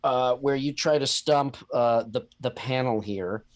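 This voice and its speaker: A man's voice: mid-range voice, a little slow. A man co-hosting a podcast in a playful way, laughing often. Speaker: podcast co-host. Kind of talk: casual chat.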